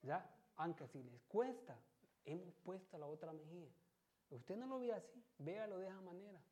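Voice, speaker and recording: A man's voice: sits high, animated, normal speed, darkish tone. A man preaching a church sermon in a conversational way, often checking in with his listeners. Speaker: lay preacher.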